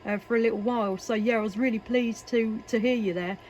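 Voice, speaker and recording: A woman's voice: fairly high pitch, fairly even intonation, quick pace, darkish tone, muffled recording. English lady doing cb radio chat, chatty n a bit hesitant, static in the background. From England. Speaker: CB radio operator and video maker. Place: workshop at home. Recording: noisy, radio static and hiss.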